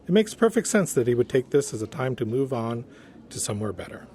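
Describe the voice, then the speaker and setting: A gentle, earnest human resources man, played by an actor in an audio drama. He is polite and prim, with a medium-pitched voice that swings expressively. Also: big pitch swings, close to an everyday voice. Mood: earnest, reassuring. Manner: polite, prim, measured wording. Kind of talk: audio drama acting as interview guest.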